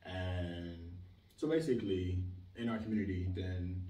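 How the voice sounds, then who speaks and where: Young male guest, low pitch, animated casual talker, distant mic with room echo. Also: a little slow. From Israel. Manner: animated, emphatic, leans on filler "like". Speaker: interview guest. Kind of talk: casual conversational interview. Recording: roomy sound, mic at a distance.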